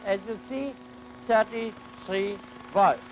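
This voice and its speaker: A man lecturing in an educational film demonstration, phrasing things haltingly and deliberately and posing questions to himself. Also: high voice. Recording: noisy 1950 educational film soundtrack.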